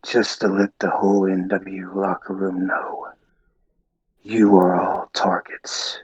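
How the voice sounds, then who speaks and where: A man voicing a vengeful, menacing wrestler who whispers his threats slowly over a dull phone line. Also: low-pitched, completely flat delivery, full character voice. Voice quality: whispery, gravelly. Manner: slow, threatening delivery. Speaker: caller.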